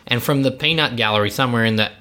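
A man's voice: mid-range voice, racing, bright, forceful tone. An Australian man co-hosting a podcast, chatting casually in a jokey way. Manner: jokey, laughs easily. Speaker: podcast co-host. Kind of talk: casual comedic banter.

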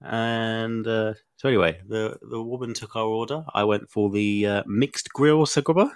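A man's voice: lowish voice, moderate pace, smooth, dry recording, studio quality. A man co-hosting a podcast, telling rambling stories full of fillers and sounding a bit sniffly. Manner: rambling, chatty storytelling with many fillers. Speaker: podcast co-host. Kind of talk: casual chat.

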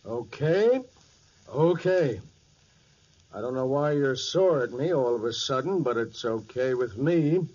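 A surly small-time crook in an old radio drama. He speaks slowly and slangily in a husky voice, on a muffled vintage recording. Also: mid-range voice, expressive, darkish tone. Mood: sullen. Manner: slangy, uneducated speech. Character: surly, slangy male crook, slow and offhand. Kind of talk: 1940s radio drama acting.

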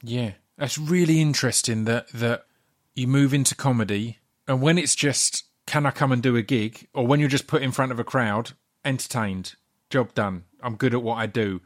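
A man's voice: mid-range voice, normal speed. A man who hosts a podcast and asks questions casually, often restarting his sentences. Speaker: podcast host. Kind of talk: casual interview.

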